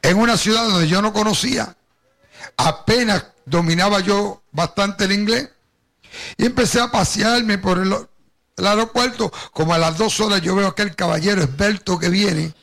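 Older male preacher, Caribbean Spanish accent, high and very crackly voice, tells his testimony straight to the congregation. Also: moderate pace, gravelly, fairly bright tone. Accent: Caribbean Spanish, Puerto Rican with Cuban influence. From Puerto Rico. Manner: storytelling, addresses the congregation directly. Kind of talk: sermon with personal testimony.

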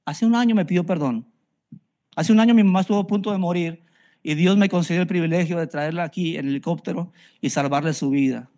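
A man's voice: on the high side, fast talker, a little mellow. A man, preaching a sermon and telling his own story in an earnest way, often repeating phrases for emphasis. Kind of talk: personal testimony sermon.

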